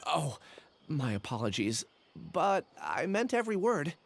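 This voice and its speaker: A man voicing a gentle, apologetic young scholar in an anime-style video game, polite and hesitant. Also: fairly high pitch, very animated, measured pace, creaky, a little hiss or hum, exaggerated voice. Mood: reflective.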